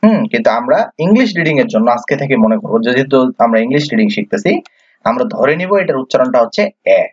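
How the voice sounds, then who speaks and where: A man's voice: mid-range voice, animated, quick pace, a little mellow, slightly rough, no echo. A man from Bangladesh teaching English reading, sounding out letters one by one and patiently asking and answering his own questions. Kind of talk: classroom lesson, spelling out letters. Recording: dull, dry, lo-fi sound.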